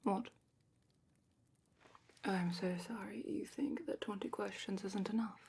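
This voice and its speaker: A woman playing a weary, wry, slightly superior female official at a dragon academy, in a soft whispered ASMR roleplay. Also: mid-range voice, steady tone, vocal fry, slight background noise. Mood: brisk, condescending. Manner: slow, dry, slightly superior, formal.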